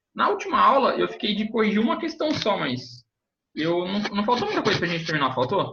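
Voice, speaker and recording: This man's voice is raised and projected, high in pitch, and moves at a fairly quick pace. His pitch swings very widely. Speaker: teacher. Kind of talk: online class. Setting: video call. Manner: fast.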